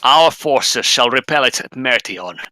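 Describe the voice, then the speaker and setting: A man's voice: medium pitch, expressive, unhurried, sharp tone, dry recording. A man voicing an earnest fire angel in a tabletop game, speaking in grave, formal declarations of peril. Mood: grave warning. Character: male fire angel, earnest heavenly warrior warning of peril.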